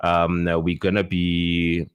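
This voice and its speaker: Laid-back South African man, low voice. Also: slow, clear, resonant tone, no room sound, lo-fi sound. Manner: rambling with many fillers and restarts; loud bursts of laughing excitement. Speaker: podcast host. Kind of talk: casual podcast chat.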